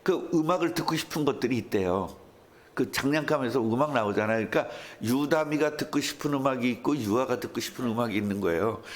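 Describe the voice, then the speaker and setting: A man's voice: mid-range voice, quick pace. A male pastor preaching a sermon, telling stories and acting out the voices of the people in them. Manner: animated storytelling with acted quotes.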